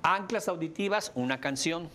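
A middle-aged man with a Mexican Spanish accent, lecturing a class in a joking, animated way with sudden high exclamations. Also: normal speed, slight background noise. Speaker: instructor.

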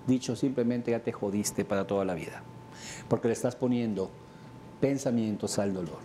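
Animated Mexican man lecturing theatrically. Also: normal speed, a little hiss or hum. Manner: animated, theatrical, acts out examples with sudden pitch leaps. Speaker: therapist giving a talk. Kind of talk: lecture to a live audience.

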